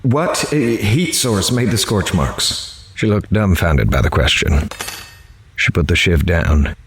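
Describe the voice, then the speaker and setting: An actor playing a grim, dogged male crime reporter in a horror audio drama, with a measured, grave, dramatic delivery. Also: low voice, lively intonation, fairly bright tone, breathy edge, dry recording, heavily acted. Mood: urgent, demanding. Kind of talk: noir-like scripted horror narration.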